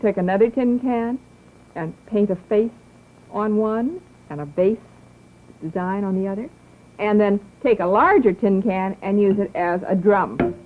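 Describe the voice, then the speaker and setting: A middle-aged woman hosts a children's show in a coaxing, sing-song manner, drawing out her words like a kindly teacher. Her voice sits at an ordinary pitch. The sound is narrow and tinny, like an old television broadcast. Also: a little slow, a little hiss or hum. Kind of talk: speaking gently to children, then to parents.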